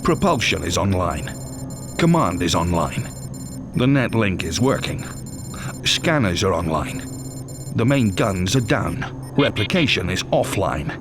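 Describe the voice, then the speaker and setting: Commanding officer, animated low voice. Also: male voice, measured pace, over music, full character voice. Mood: businesslike. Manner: authoritative, clipped, businesslike. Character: commanding male senior military officer, brisk, serious. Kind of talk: game cutscene acting, military status briefing.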